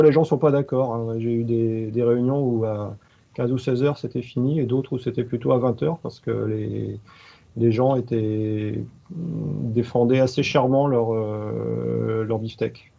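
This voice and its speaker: Gravelly, dark-voiced man. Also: medium pitch, muffled recording. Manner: hesitant, many restarts and fillers. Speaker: expert evaluator panelist. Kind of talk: webinar discussion.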